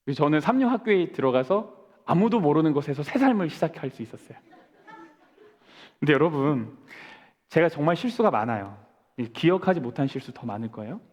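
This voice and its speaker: A man's voice: on the high side, big pitch swings, brisk, a little mellow, muffled recording. A man in his forties, a pastor preaching a sermon, telling a story and asking the congregation questions before answering them himself. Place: church sanctuary. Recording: long church-hall reverb.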